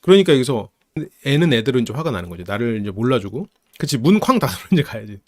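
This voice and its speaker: A man hosting a psychology channel, casually analyzing a film, lively and laughing often as he acts out characters' lines. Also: medium pitch, quick pace, no echo.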